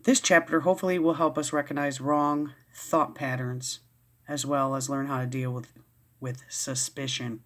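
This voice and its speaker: A woman's voice: very deep voice, fairly even intonation, moderate pace. Woman vlogger, casual read-aloud with riled, rambling asides. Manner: rambling, easily riled, many restarts. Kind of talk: casual reading and commentary.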